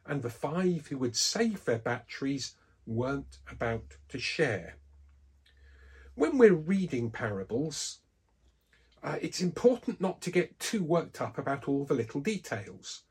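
Male preacher, husky, slightly high-pitched, talks through a scripted devotional with lively emphasis. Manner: storytelling, lively emphasis on key words. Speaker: preacher giving a Bible talk.

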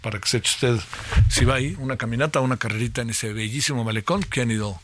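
A man's voice: medium pitch, quick pace, fairly bright tone, a little hiss or hum. A man with a Mexico City accent hosting a news show, chatting casually and folksily with his listeners and posing questions to them. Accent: Mexico City Spanish. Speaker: radio news host.

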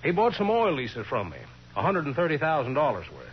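An actor playing a courteous, kindly older colonel who owns a ranch, genteel in a 1940s radio crime drama. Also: male voice, on the high side, wildly swooping pitch, a little fast. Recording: muffled, noisy 1940s radio recording.

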